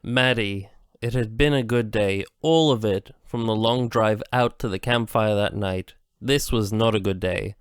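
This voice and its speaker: Slow, halting man reading a novel. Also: fairly low pitch, smooth, no room sound, clean studio sound. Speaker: amateur audiobook reader.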